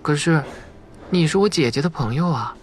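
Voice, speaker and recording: A man's voice: fairly high pitch, lively intonation, normal speed, slight background noise, pitched above the performer's own voice, lightly acted. A man voicing an innocent, earnest young schoolgirl with guileless, childlike manner in an audiobook story. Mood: puzzled. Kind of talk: audiobook character dialogue.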